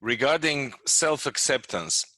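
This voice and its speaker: Bright-voiced man hosting an interview. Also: medium pitch, lively intonation, measured pace, no room sound, rough recording. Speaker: podcast host.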